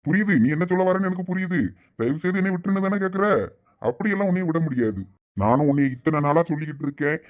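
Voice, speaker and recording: A man's voice: a little high, fast talker, highs cut off, lightly acted. A man doing a gloating cartoon villain. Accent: Thoothukudi Tamil. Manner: gloating, menacing. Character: scheming male villain holding a woman captive.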